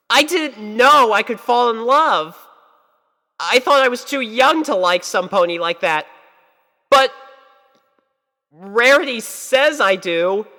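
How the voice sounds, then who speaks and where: Woman voicing an earnest, bright-voiced lovestruck little filly. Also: a little high, in a large hall, pitched above the performer's own voice, exaggerated voice. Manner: earnest, emotional, hesitant. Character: anxious lovestruck little pony filly, young girl.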